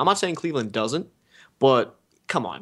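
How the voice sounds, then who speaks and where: Over a quiet background, a man speaks at a fairly quick pace in a bright, sharp tone, with very wide pitch swings. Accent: American. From Philadelphia, US. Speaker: podcast host. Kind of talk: casual chat.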